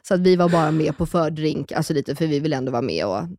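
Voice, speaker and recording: Animated woman telling a story, dry close sound. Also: low voice, dry recording. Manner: animated storyteller who acts out quoted voices. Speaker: podcast co-host. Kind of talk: casual chat.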